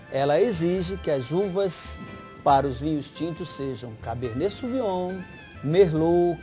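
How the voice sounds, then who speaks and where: A man's voice: a little high, mellow. A middle-aged man explaining wines as a guest sommelier on a TV studio set, emphatic and salesy, on a lapel mic. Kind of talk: TV wine talk and promotion.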